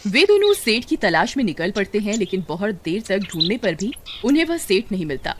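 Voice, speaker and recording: A woman narrating a cartoon storybook in an even storytelling manner. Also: mid-range voice, fairly quick, noisy background.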